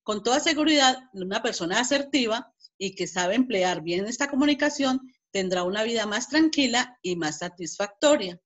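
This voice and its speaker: Her voice sits fairly high, with lively intonation, a moderate pace and hardly any pauses. She has a Colombian Spanish accent and teaches an online class step by step, frequently restarting and repeating words while reading example dialogues aloud emphatically.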